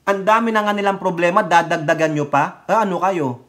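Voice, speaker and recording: A man's voice: sits high, fairly even intonation, a little fast, fairly bright tone. A man with a Filipino accent giving political commentary on a vlog, emphatic and scolding, switching between Tagalog and English. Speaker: political vlogger.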